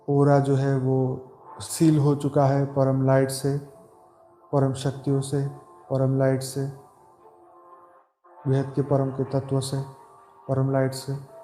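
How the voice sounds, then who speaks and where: A man speaking as a meditation guide, calm and soothing, giving slow, repetitive instructions with long pauses in Hindi. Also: mid-range voice. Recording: roomy echo with background music. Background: meditation music.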